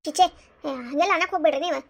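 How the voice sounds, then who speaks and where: A woman voicing a meek young wife in a cartoon comedy, softly pleading and placating, with a North Karnataka Kannada accent. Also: very high-pitched, racing. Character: meek young wife trying to calm her husband.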